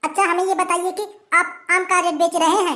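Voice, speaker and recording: A squeaky, cartoonish character voice races along very fast in a monotone, flat intonation. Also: woman, extremely high pitch for a woman. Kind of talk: rustic village comedy. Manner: bargaining, sceptical.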